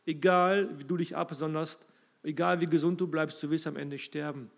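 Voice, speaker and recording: A man delivers a sermon in a fairly high voice. He speaks with emphasis, his loudness swells and drops, and he addresses his listeners directly. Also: fairly even intonation, normal speed, gravelly. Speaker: preacher.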